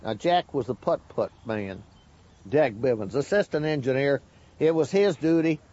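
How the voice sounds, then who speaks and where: A man's voice: mid-range voice, expressive, measured pace, warm tone. An older American man, a war veteran, casually reminiscing in an interview. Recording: dull documentary tape.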